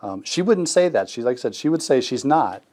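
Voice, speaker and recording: A man's voice: medium pitch, big pitch swings, a little fast, a little mellow. A man speaking off the cuff in an interview as a school staff member. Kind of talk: spontaneous interview.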